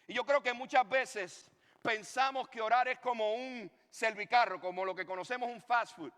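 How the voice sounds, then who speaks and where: A man, a pastor preaching a sermon and telling a story with lively swings in his voice. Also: extremely high pitch, normal speed, in a large hall. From Puerto Rico.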